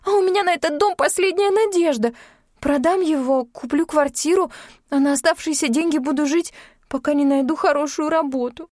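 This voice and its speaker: A woman voicing a sobbing, high-pitched young woman. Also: expressive, a little slow, a little mellow, dry recording, clean studio sound. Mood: agitated. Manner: wailing, sobbing outbursts. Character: distraught young woman friend, tearful and excitable.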